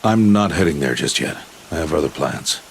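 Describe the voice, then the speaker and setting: An actor playing a stern middle-aged tribal outcast hunter and mentor in a video game, speaking in a solemn, measured, commanding way. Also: male voice, a bass voice, animated, gravelly, slight background noise, exaggerated voice. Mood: subdued, resolute. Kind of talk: dramatic video game cutscene acting.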